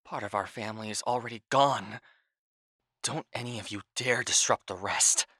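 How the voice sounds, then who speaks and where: Forceful, blunt grown son. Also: male voice, on the low side, moderate pace, slightly rough, no echo, studio quality. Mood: forceful, angry. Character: grown son, blunt, fierce family peacemaker. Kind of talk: audio drama acting.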